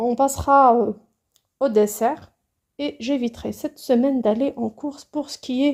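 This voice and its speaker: A woman's high pitch, fairly even intonation and fairly slow pace, with long, frequent pauses. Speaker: budget grocery vlogger. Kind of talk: casual haul vlog. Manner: hesitant, many fillers.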